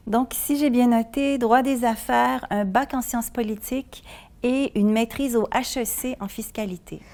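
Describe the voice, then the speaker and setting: Woman host, friendly, measured interview questioning. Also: on the high side, fairly even intonation, darkish tone.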